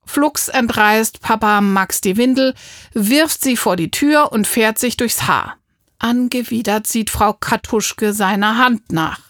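A woman reading a children's audiobook as scripted narration, measured and clear, on a close microphone. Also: a little high, fairly bright tone, no room sound. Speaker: audiobook reader.

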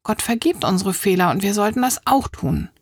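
A woman reading a children's audiobook, voicing a kind, earnest young mother with a gentle manner. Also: medium pitch, animated, moderate pace, slightly rough, no room sound, clean studio sound. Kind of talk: audiobook character voice.

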